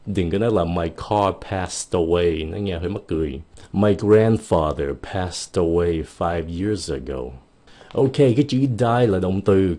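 A man whose first language is Vietnamese, teaching English vocabulary in a casual, explanatory lesson and slowing right down to model each English word. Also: low-pitched, warm tone. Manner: slows down sharply to model English words.

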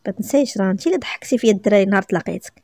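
A woman acting out a stern young army lieutenant with a rough, curt voice. He talks quickly in a dry close recording, and his tone turns mocking. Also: medium pitch, a little mellow, dry recording, lightly acted.

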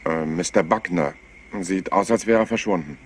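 An actor playing a polite, absent-minded police inspector who rambles apologetically and hesitantly in a crime drama. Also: male voice, low-pitched, normal speed, over loud music, close to an everyday voice. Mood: musing. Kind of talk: dubbed TV crime drama acting.

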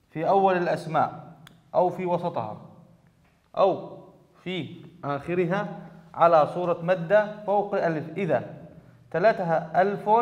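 A man with a high voice teaches a classroom grammar lesson, explaining slowly and repeating key words. The recording sounds dull and lo-fi, with a long echoing reverb from a large room. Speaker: Arabic teacher. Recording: echoey hall, dull lo-fi sound.

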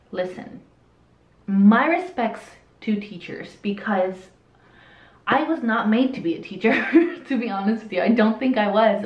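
A vlogger in her late twenties, from El Salvador and raised in Southern California, answers viewer questions candidly in a casual Q&A while doing her makeup. She has a light Hispanic accent and a medium-pitched voice, often trailing off and restarting sentences. She sits in a small indoor room with a curtain backdrop, and the recording is roomy and slightly dull.

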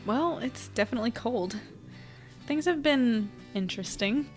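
A woman playing a practical, reassuring newspaper editor in an audio drama, casual and measured. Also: fairly high pitch, animated, faint music behind. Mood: friendly.

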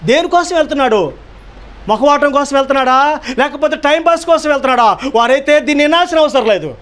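A man's voice: very high-pitched, expressive, quick pace, a bit bright. A man pastor delivering a sermon, emphatic, firing rhetorical questions and repeating key phrases.

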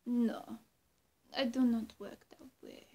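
A young woman playing a menacing, two-faced female vampire in a roleplay, halting and often breathy, sweet one moment and threatening the next. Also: on the high side, steady tone, dark tone. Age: young adult. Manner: halting, teasing threats with long pauses, often dropping to breathy near-whisper. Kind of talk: roleplay addressed to the listener. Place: small room at home, indoors.

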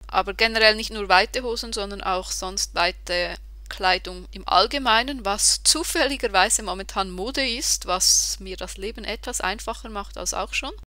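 Bright-voiced podcaster in their thirties. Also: medium pitch, moderate pace, few pauses, dry recording. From Switzerland. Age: 30s. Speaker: podcast co-host. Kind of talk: casual podcast chat.

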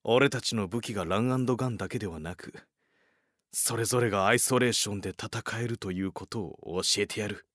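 A man's voice: lowish voice, a little fast, a bit bright, no echo, clean studio sound. A man playing a confident, determined young athlete, a cool-headed team playmaker, anime-style. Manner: cocky, determined. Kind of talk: anime-style dramatic acting.

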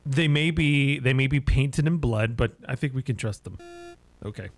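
A man in his thirties, speaking at a mid-range pitch and a moderate pace with no room sound, streams a horror game. He offers casual, half-joking commentary and reactions as he plays.

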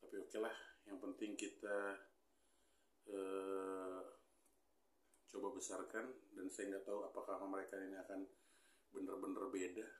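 A man's voice: deep voice, monotone, unhurried, pauses often, echoey room. A man in his thirties chatting casually to camera in a small room, thinking aloud with lots of fillers and mild grumbling. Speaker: hobby vlogger. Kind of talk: casual unboxing chat. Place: small indoor room with pink wall.

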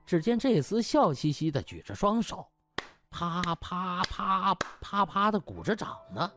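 A man's voice: high voice, sing-song, measured pace, music in the background. A man narrating a comic novel in a theatrical, colloquial storytelling manner. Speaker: audiobook narrator.

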